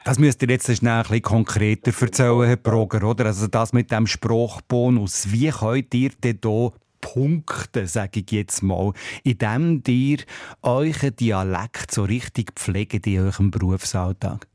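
Swiss German radio presenter, low dry voice. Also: male voice, measured pace, darkish tone, no room sound. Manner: friendly, prompting questions.

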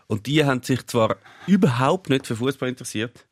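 A man's voice: medium pitch, animated, fairly quick, no room sound, studio quality. A man with a Swiss German accent, co-hosting a casual chat and telling funny stories. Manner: chatty, laughs while telling stories.

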